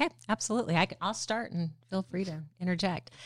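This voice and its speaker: A woman with an American accent and a normal speaking voice talks at a fairly quick pace, her fairly low pitch showing ordinary variation, in a dry, close recording with no echo. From Denver, Colorado. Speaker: deputy school superintendent. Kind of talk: casual interview chat.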